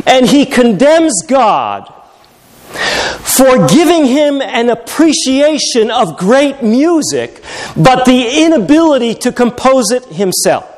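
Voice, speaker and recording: A middle-aged male pastor preaching a sermon, telling stories with wry humor. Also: very high voice. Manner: animated storytelling with wry humor.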